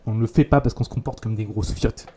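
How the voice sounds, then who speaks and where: A man's voice: on the low side, fast talker, mellow, breathy edge. A man giving a blunt, casual motivational talk as a 3D teacher, full of crude slang and restarts. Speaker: YouTube 3D teacher.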